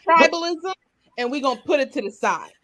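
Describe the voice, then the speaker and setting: An earnest woman with a fairly high voice speaks on a podcast panel. She talks in a measured way, often stopping to restart a sentence before she builds to her point. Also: expressive, over a noisy crowd.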